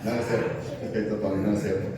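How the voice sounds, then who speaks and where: A man's voice: on the low side, level tone, rapid-fire, heavy background noise. A middle-aged man preaching a sermon, folksy and anecdotal, often asking the congregation rhetorical questions. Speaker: pastor. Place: church sanctuary. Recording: echoey church room, mic at a distance, faint ambience.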